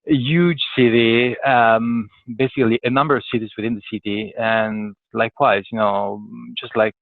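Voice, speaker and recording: This corporate professional from Italy, a podcast guest with an Italian accent, has a mid-range voice and a steady tone at a moderate pace. He answers interview questions conversationally, pausing hesitantly and thinking aloud in broken phrases. The sound has no room echo but is thin, like phone audio.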